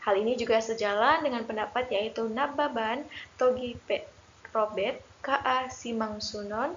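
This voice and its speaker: A young woman, a student, reading a formal presentation from her slides in a steady, measured way. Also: on the high side. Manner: steady, formal reading with Islamic greeting, pauses on citations. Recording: lo-fi with faint hiss.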